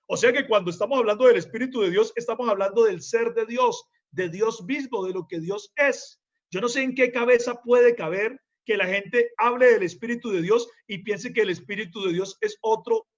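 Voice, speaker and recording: A man's voice: high voice, lo-fi sound. A male preacher teaching from the Bible in a sermon, emphatic, often putting rhetorical questions to his listeners.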